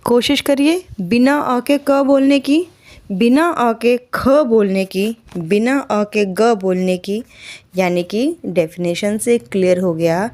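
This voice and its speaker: A woman teaching a beginner Hindi lesson, patiently repeating key points, asking learners questions and sounding out letters slowly and clearly. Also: medium pitch, a little mellow. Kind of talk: basic Hindi alphabet lesson.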